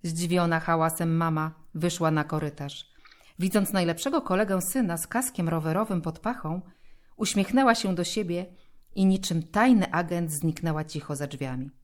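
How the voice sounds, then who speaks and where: A woman narrating a children's story in a calm, clear storytelling manner. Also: fairly low pitch, moderate pace.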